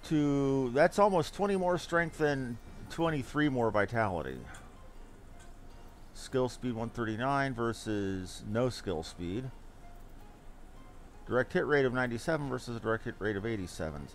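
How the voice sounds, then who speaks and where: A man's voice: mid-range voice, animated, moderate pace. Man thinking aloud over game music. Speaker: game streamer. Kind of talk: casual gameplay commentary, musing aloud. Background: video game music.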